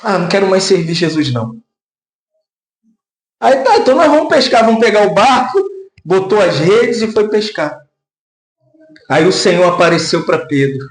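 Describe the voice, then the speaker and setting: A man preaching a lively sermon, acting out quoted voices and laughing often. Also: normal speed, pauses often, roomy sound. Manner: says of himself he speaks in a deep, gruff way. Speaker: pastor.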